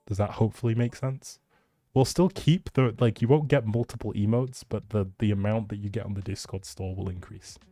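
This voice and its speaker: Mellow, low-voiced man chatting on stream. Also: steady tone, brisk, no echo, soft background music. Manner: chatty, rambling, informal. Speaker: livestream host. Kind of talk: casual livestream chat, giveaway announcing.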